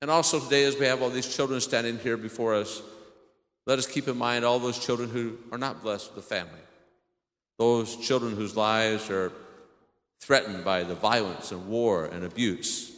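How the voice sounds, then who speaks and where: An American man speaks as a priest addressing children in a church homily, in simple, plainly worded phrases. His mid-pitched voice rings through a large space with long reverb. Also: steady tone, normal speed, fairly bright tone. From southern Illinois, United States. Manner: simple questions to children, repeats their answers.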